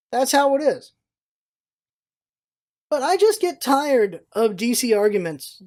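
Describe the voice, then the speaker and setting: A man's voice: high voice, darkish tone. A male vlogger talks off the cuff and gives his opinions freely. He rambles through his points and often says a phrase again to drive it home. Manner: rambling, repeats himself for emphasis. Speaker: vlog host, gaming content creator. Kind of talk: casual opinionated commentary.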